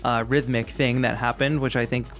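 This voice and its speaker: A man hosting a live stream, chatting casually and giving conversational, softened critique of music. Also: mid-range voice, level tone, moderate pace. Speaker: host judging music challenge entries.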